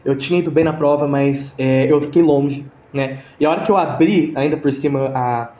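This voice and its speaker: Over a video call, a young interview guest with a Brazilian Portuguese accent tells a story at a moderate pace in a slightly high, warm voice. The conversation is casual, but he's hesitant, with many restarts and fillers. An echoey room colors the sound.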